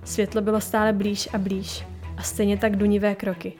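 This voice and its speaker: A woman narrating a fantasy audiobook in an expressive manner, voicing each character. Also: mid-range voice. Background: music.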